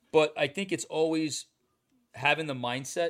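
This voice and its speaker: With an American accent, a man talks in an ordinary speaking voice. His pitch is fairly high with ordinary variation, and his pace is moderate. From New York State (Hudson Valley). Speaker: podcast host. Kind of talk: casual chat.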